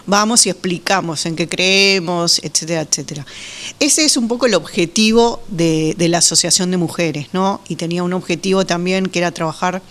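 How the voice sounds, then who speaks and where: Rioplatense woman, radio interview guest, calm explainer, pauses and fillers often. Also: fairly low pitch. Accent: Rioplatense Spanish. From Uruguay, raised in Argentina. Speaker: guest, Muslim women's association representative.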